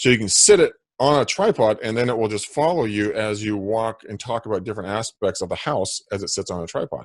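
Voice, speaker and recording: In a quiet background with a dry, close sound and no echo, a man with an unremarkable speaking voice talks fairly quickly at a fairly low pitch, with ordinary pitch variation. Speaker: real estate coach. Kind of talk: casual chat.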